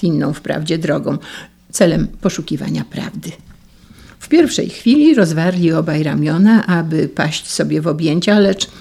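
Gravelly, low-voiced woman storyteller. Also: warm tone. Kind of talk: literary story read aloud.

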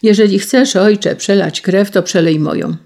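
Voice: medium pitch, measured pace, creaky, darkish tone, pitched above the performer's own voice. A reader doing a desperate young princess. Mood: pleading. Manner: pleading, emotional.

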